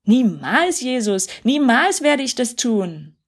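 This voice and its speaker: A loyal, eager disciple swears his faithfulness, as a woman narrator puts him on. He protests fervently and insistently, in a storybook reading. The voice is breathy and soft-edged. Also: mid-range voice, animated, normal speed. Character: Peter, adult male disciple, loyal and eager.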